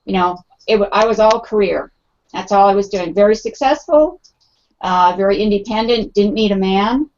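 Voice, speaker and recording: A woman's voice: mid-range voice, moderate pace, darkish tone. A middle-aged woman talking in a casual panel discussion, chatty and full of fillers, acting out quoted thoughts. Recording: muffled lo-fi audio.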